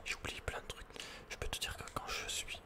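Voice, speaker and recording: A man whispering playful, casual ASMR commentary over a video game in a breathy, unvoiced voice, close to the microphone. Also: brisk.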